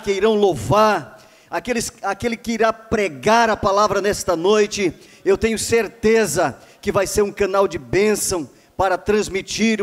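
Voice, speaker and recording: A man with a Brazilian Portuguese accent presenting a church service, fervently calling out praise and welcoming viewers. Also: sits high. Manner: fervent, repeated praise calls. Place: church hall. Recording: reverberant church hall.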